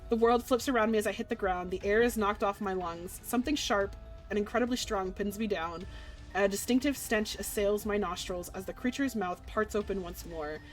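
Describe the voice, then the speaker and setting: A young woman reading a dark visual novel aloud in dramatic first person, breaking off for giggly asides. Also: mid-range voice, moderate pace, soft background music. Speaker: streamer playing a game.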